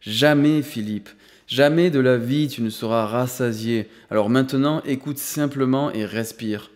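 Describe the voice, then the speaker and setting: Homme jouant un vieux patriarche riche, exalté et généreux. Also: male voice, mid-range voice, unhurried, darkish tone, natural voice. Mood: firm. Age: older. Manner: enthusiastic, emphatic, playful. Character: exuberant elderly rich grandfather, suddenly generous. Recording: long hall reverb.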